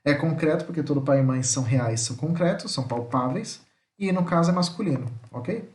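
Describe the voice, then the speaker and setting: A male teacher with a fairly high, expressive, darkish voice gives an online language lesson in a reverberant space. He explains patiently, checks in after each point, and sometimes sounds out words slowly.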